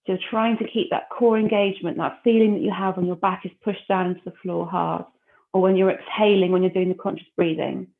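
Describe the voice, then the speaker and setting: A woman leading a core exercise class, giving calm, encouraging cues and breath counts. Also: lowish voice, brisk, gravelly. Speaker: fitness instructor. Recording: phone-like narrow audio.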